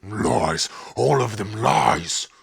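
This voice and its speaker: A man's voice: fairly low pitch, steady tone, a little slow, gravelly, fairly bright tone, husky, heavily acted. A man voicing a treacherous, cowardly orc chief in a fantasy audio roleplay, barking and imperious. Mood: indignant.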